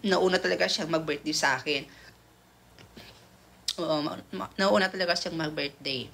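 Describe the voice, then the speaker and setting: A man's voice: fairly high pitch, moderate pace, vocal fry, sharp tone. A gay man of twenty-one, host of a livestream, rambling through a story to his viewers with many fillers and restarts. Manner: camp, calls viewers "bakla".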